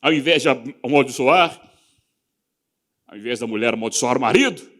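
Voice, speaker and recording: A man with a Brazilian Portuguese accent preaching a live church sermon, moving from loud, fervent exhortation to hushed, earnest passages. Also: medium pitch, lively intonation, moderate pace. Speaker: pastor. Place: church service.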